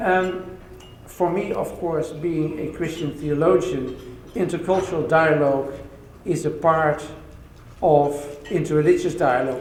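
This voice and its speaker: Amid noticeable background noise and audible room echo, a man with a non-native accent speaks at a moderate pace and a fairly high pitch, his intonation fairly even and broken by long, frequent pauses. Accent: non-native English speaker. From Netherlands. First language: Dutch. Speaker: theology professor. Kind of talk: keynote speech. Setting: dinner event with audience. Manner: some hesitations and fillers.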